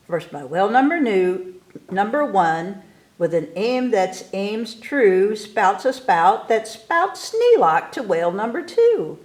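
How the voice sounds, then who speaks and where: A woman reading a rhyming picture book aloud to children in an expressive, theatrical way, stretching key words for emphasis. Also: mid-range voice. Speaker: story time reader.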